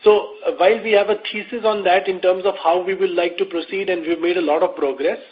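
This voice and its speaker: A male company executive with a fairly high voice explains business matters on an investor call. He is measured and methodical, laying things out step by step. The audio is muffled, like a conference line. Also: steady tone.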